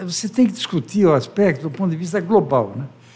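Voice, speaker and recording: A man rattles along at a very fast pace in a dark, mellow tone. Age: 70s. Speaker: former mayor. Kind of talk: casual interview.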